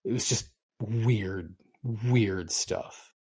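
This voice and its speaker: A middle-aged man co-hosts a casual podcast, his voice fairly low, very slow, a little mellow and slightly rough. He rambles through long stories, often repeating himself and restarting words.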